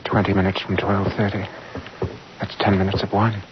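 An actor playing a domineering, murderous village doctor in an old-time radio drama, speaking in an intense, commanding, clipped manner. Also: male voice, deep voice, monotone, normal speed, noisy background, lightly acted. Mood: morbid, feverish. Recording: dull vintage radio recording, loud music.

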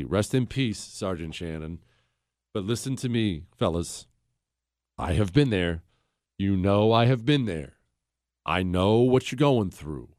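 A man hosting a talk radio show, speaking in an animated, sarcastic monologue with wide swings in pitch and a slightly congested voice. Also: smooth, no room sound, clean studio sound. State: congested from allergies.

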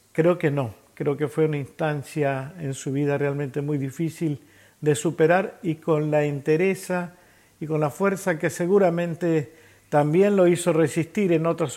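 Higher-voiced man, reflective. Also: darkish tone. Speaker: host. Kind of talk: reflective tribute commentary.

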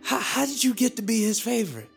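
An actor in an audio drama playing a young enslaved apprentice who asks curious, blunt questions. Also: male voice, very high voice, very animated, fast talker, gravelly, faint music behind, exaggerated voice.

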